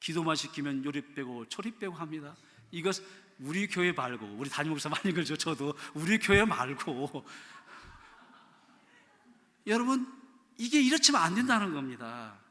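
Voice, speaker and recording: Middle-aged male pastor, animated sermon delivery, high-pitched and bright tone, long church-hall reverb. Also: normal speed. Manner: animated preaching, acting out prayers and quotes, shouting then dropping soft. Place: church sanctuary.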